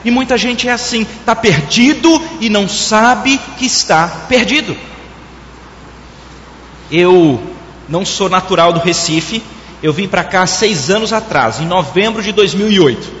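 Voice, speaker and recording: A man's voice: high-pitched, animated, unhurried, fairly bright tone, a little hiss or hum. A man preaching a sermon, telling a story and speaking straight to the congregation. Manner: storytelling preacher who addresses the congregation directly. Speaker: pastor. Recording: echoey hall, dull lo-fi sound.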